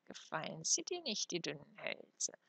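Woman voicing a croaking old witch. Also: mid-range voice, expressive, unhurried, bright, forceful tone, no echo, exaggerated voice. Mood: sneering. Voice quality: croaking, hoarse. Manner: muttering, sneering. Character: ugly old crone witch, croaking, spiteful.

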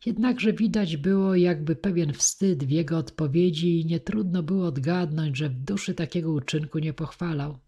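A woman narrating a classic novel audiobook in a measured, dramatic reading. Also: low voice, warm tone, husky.

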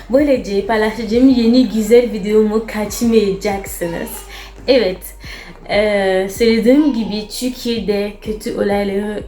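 A young woman with a Cameroonian accent tells stories casually to her viewers in a foreigner's broken Turkish. She searches for words as a non-native learner does. The room has a clear echo, with faint music behind her voice. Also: mid-range voice, mellow. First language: not Turkish, a foreign learner. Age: young adult. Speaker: vlogger.

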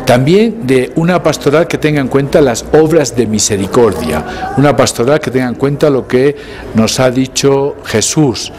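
A man's voice: mid-range voice, darkish tone, a little hiss or hum. A man in his fifties, a priest, giving an earnest, emphatic spoken summary of a talk into a handheld recorder, sometimes restarting his phrases. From Bolivia. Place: indoors, before a painted mural. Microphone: handheld recorder held close.

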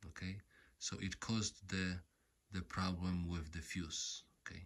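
A man who is not a native English speaker, giving an unscripted hands-on repair explanation in a halting, repetitive way, often saying okay. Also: low voice, level tone, a bit bright. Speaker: repair tutorial host. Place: indoors at home.

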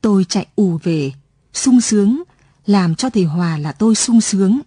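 A woman reads a late-night story in a calm, measured voice. Her tone is mellow and softly husky. The studio sound is close and dry. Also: mid-range voice, dry recording. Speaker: radio story reader.

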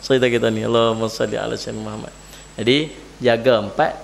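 A man's voice: mid-range voice, fairly even intonation, quick pace, vocal fry, a little hiss or hum. A male Islamic preacher with a Northern Malaysian Malay accent gives a humorous sermon, laughing often and putting questions to his audience. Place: religious lecture gathering.

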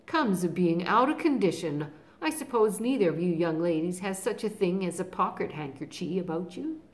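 A woman's voice: on the low side, animated, moderate pace, lightly acted. A woman voicing a huge, polite, clumsy male giant with rustic, countrified speech. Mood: hearty.

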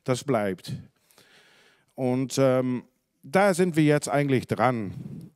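A man in his forties from the Netherlands, a dairy farmer speaking German with a Dutch accent, giving a halting talk full of fillers and self-corrections into a handheld mic in a conference hall. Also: mid-range voice, lively intonation, a little mellow, clear, resonant tone, clean studio sound. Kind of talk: unscripted talk at a symposium. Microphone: handheld microphone.

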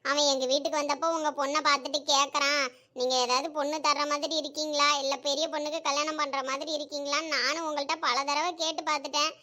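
A woman's voice: high voice, little pitch movement, fast talker, sharp tone. A woman playing a chatty neighbor who probes about a marriage match. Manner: chatty, probing. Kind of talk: amateur family drama acting.

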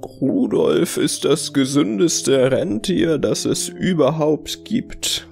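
A man's voice: on the high side, expressive, takes it slowly, vocal fry, a little mellow, heavily acted. A man playing a proud, delusional Santa in an audio horror drama, theatrically friendly and insistent. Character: delusional, affable, proud self-believed real Santa man. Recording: music behind the voice.

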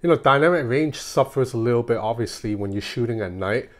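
A man's voice: mid-range voice, fairly quick. A man in his thirties giving a casual, conversational hands-on tech review in an informal way.

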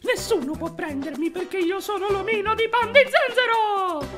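Cartoon lead: a tiny, smug gingerbread runaway, shrill and teasing over a music bed. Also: female voice, moderate pace. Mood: taunting. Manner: sing-song bragging taunts. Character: cheeky boastful gingerbread man, small and quick. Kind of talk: animated cartoon voice acting.

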